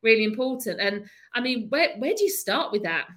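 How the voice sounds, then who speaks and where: A woman co-hosting a podcast, chatting casually and laughing often as she thinks out loud. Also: a little high, expressive, a little fast. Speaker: podcast co-host.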